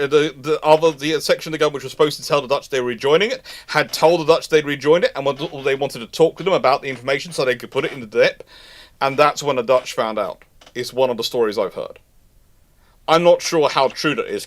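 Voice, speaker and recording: Male live-stream host, unscripted and discursive, stop-start delivery, prone to exasperated asides. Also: mid-range voice. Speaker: host of a live naval history question stream.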